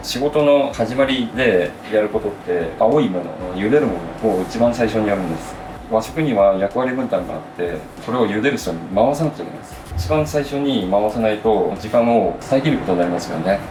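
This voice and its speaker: A man's voice: fairly low pitch, animated, a little fast. A man, a sushi chef, politely explaining his kitchen work in a matter-of-fact way while he works. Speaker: sushi restaurant owner-chef. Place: restaurant kitchen during prep. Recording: roomy kitchen, distant mic, clear working noise.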